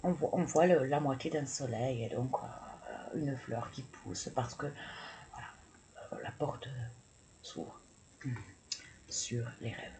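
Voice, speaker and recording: A woman's voice: rumbling low, slow pace, long pauses, dark tone, a little hiss or hum, poor audio. A woman doing a casual card-reading video, hesitant and stammering as she thinks aloud. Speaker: tarot and oracle card reader.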